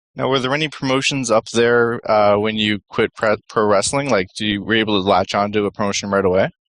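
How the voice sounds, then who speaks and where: Against a quiet background, a man with a Canadian accent talks at a very fast pace with hardly any pauses, his fairly low pitch showing ordinary variation in a dry, close sound with no echo. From Canada. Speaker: interview co-host. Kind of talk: interview.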